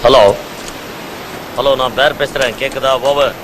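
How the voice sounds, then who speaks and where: A man's voice: medium pitch, fairly even intonation, unhurried, noisy background, natural voice. An actor playing a man calling for help over a two-way radio, repeating his hails and ending each with 'over'. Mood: urgent.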